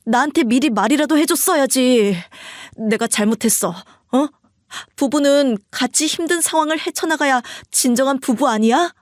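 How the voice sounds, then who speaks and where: A desperate young husband pleads and whines for another chance, voiced by a woman. The voice sits fairly high and is recorded close and dry, like a storybook narration. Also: normal speed, no echo, close to an everyday voice. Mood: pleading. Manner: begging, whining.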